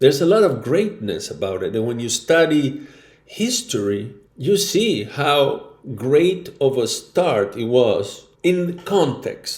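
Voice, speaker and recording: A man's high-pitched voice with an Argentine accent, very wide pitch swings and a very slow pace, in a room with audible echo. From Argentina. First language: Spanish. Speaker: video blogger. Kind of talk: personal reflection monologue. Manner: halting.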